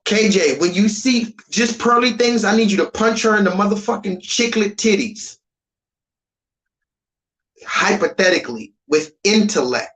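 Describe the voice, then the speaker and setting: A man ranting on a live stream, profane and rambling, jumping between loud high outbursts and low muttered asides. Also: lively intonation, unhurried, low-quality recording. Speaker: livestreamer.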